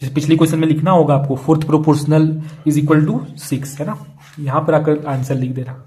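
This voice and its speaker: A man's voice: fairly high pitch, fairly even intonation, moderate pace, warm tone. Chatty young male math tutor. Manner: chatty, repeats key steps, calls students "yaar" and "bhai". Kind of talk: casual online math lesson.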